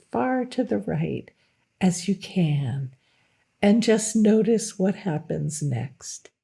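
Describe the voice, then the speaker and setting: A soft-spoken woman talks at a very slow pace in a dark, mellow tone. Her somewhat breathy voice moves in very wide pitch swings. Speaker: psychotherapist. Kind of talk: clinical demonstration.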